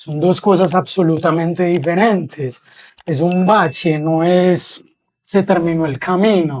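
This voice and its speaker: A man's high-pitched voice at a very slow pace, with fairly even intonation. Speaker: singer. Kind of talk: interview conversation.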